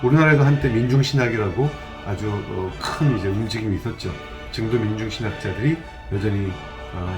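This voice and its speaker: A man lecturing as a professor of systematic theology, speaking in a measured way and putting rhetorical questions to his students. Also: fairly low pitch. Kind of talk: recorded university lecture.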